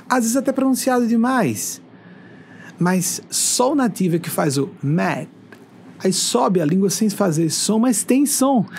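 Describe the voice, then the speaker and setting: A man's voice: high voice, a little hiss or hum. A man in his forties from northeastern Brazil, talking to his viewers in a conversational monologue and acting out quoted dialogue as he tells stories. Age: 40s. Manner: lively storytelling that acts out quoted dialogue. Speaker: spiritual speaker addressing viewers.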